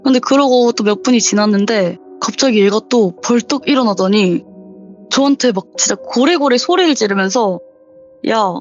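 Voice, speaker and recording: A young woman in a casual interview, chattily telling a true horror story and acting out the quoted lines with sudden rises in pitch. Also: animated, normal speed. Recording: dull lo-fi sound with faint background music.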